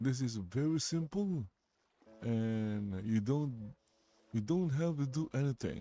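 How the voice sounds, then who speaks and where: A man with a non-native accent speaks at medium pitch in a dark, mellow and relaxed tone, with lively intonation. His pace is fairly slow, with long, frequent pauses. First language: not English. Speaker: gaming streamer. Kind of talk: live gameplay commentary. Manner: relaxed, casual.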